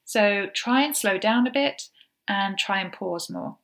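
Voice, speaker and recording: Woman podcast host, practical coaching talk delivered at a measured pace. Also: mid-range voice. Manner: practical, explains step by step with gentle fillers.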